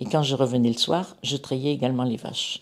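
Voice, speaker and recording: This woman's voice sits very deep and low. She talks at a moderate pace with ordinary pitch variation. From western France, near Nantes. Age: 80s+. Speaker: retired farmer. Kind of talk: interview testimony. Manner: halting.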